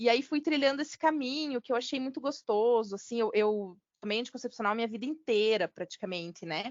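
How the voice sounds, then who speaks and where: This is a normal speaking voice with lively intonation. It moves at a fairly quick pace with hardly any pauses. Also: woman, fairly high pitch for a woman. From Brazil, Curitiba. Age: 30s. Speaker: podcast guest sharing birth story. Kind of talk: testimony.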